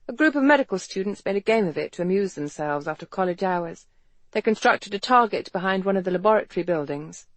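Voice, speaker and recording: A woman voicing an independent young Victorian woman doctor who speaks crisply and guardedly. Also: medium pitch, animated, quick pace, no room sound, natural voice.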